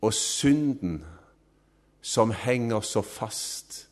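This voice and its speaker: A man preaching a sermon, emphatic, rising to loud swells and dropping to soft, low endings. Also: expressive.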